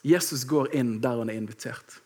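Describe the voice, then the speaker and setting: A man in his thirties preaching a sermon, telling a personal story with lively, acted-out moments. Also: medium pitch, breathy edge. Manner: lively storytelling, acts out shouting.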